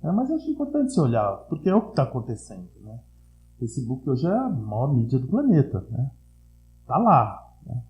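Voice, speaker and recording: A man in his sixties from Brazil with an Italian-influenced São Paulo accent, chatting casually as an interview guest and telling stories in a slangy, animated way. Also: mid-range voice, fairly quick. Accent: Italian-influenced São Paulo Portuguese. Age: 60s. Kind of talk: casual chat. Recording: roomy, echoey sound.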